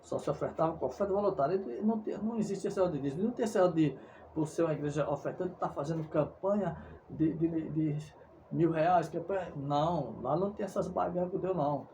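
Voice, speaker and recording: A Brazilian man preaching with heated insistence, hammering the same points again and again and tripping over words as he goes. His voice sits a little high for a man but sounds dark and mellow in tone. A faint hiss of noise runs underneath. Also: brisk, poor audio. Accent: Brazilian Portuguese. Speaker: evangelical preacher. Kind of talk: fervent preaching monologue.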